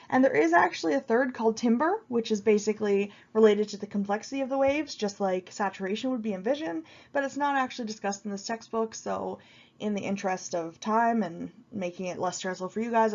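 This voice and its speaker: A woman with a head cold talks through a recorded lecture, her voice a little sniffly. She explains in a relaxed, informal way, filling pauses with ums and restarting phrases. The audio is slightly dull and lo-fi, as if from a computer microphone. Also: mid-range voice. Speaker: university lecturer.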